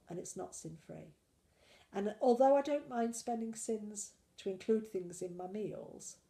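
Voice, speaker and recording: Gravelly woman with a cold. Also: on the low side, warm tone. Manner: chatty, rambling, self-deprecating. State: full of cold. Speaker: slimming vlogger. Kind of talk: casual weekly diet vlog.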